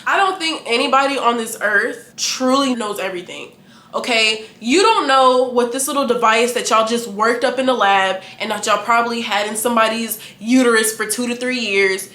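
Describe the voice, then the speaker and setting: Young woman in her 20s, vlogger, bright voice, animated and frank, echoey room. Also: on the high side. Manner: animated, candid, laughing, profane. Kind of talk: casual chat to camera.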